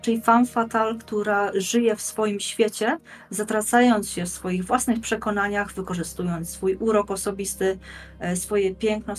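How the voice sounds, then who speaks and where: A young woman, a podcast guest presenting prepared ideas in articulate, formal phrasing. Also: mid-range voice. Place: indoors, plain-walled room on video call. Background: faint music.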